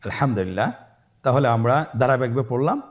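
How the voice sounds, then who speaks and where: A man's voice: mid-range voice, expressive, fast talker. A man with a Bangladeshi Bengali accent, teaching Quran reading step by step, patiently repeating each letter for the viewer to echo. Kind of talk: step-by-step Arabic letter lesson.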